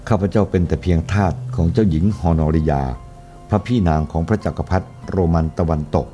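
A man reading the part of a humble male slave who speaks slowly, formally and with deference. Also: low-pitched, dark tone, soft background music, lightly acted.

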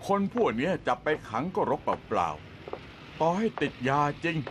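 A man's voice: a little high, wildly swooping pitch, unhurried, slight background noise. A man dubbing a jaded veteran cop into Thai, blunt and scolding with dry sarcasm. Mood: cynical. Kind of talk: Thai dub of a TV drama.

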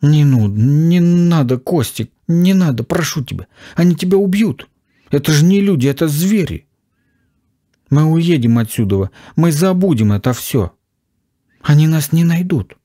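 A man's voice: a little high, expressive, normal speed, warm tone, no echo, studio quality, pitched above the performer's own voice. A man putting on a pleading frightened young woman. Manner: pleading, tearful. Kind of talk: audiobook character voice.

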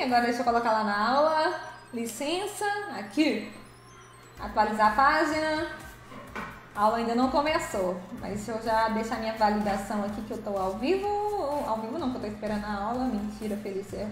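High-voiced woman streamer. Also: fairly quick, faint music behind. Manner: chatty, greets viewers by name, laughs often. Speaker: live streamer playing a truck game. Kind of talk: casual live-stream chat. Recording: roomy echo.

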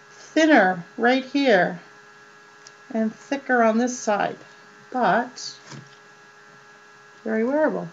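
Slow-talking woman showing jewelry finds. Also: fairly high pitch. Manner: slow and chatty, many ums and uhs. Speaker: jewelry vlogger. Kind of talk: casual show-and-tell. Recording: dull lo-fi sound with mains hum.

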